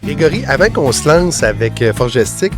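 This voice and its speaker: A man's voice: mid-range voice, lively intonation, music in the background. A man with a Québécois accent hosting a podcast interview, stuffy with a head cold, chatty and joking. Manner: chatty, joking, quick follow-up questions. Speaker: podcast host. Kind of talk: casual interview.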